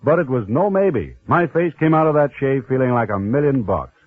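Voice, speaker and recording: Actor as husky golfer, tinny radio testimonial. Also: male voice, mid-range voice, animated, moderate pace, no echo. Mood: satisfied, folksy. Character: satisfied male golfer reading his testimonial letter. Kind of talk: 1940s radio advertising testimonial. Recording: tinny, lo-fi vintage radio recording.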